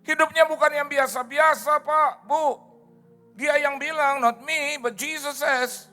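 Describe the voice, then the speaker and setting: A middle-aged pastor preaches with a high, bright, ringing voice, rising and falling dramatically as he drives each point home. He slips English phrases into his sermon, and soft music sits faintly behind him in the church. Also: measured pace. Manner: animated preaching, mixing in English phrases, swinging pitch and loudness.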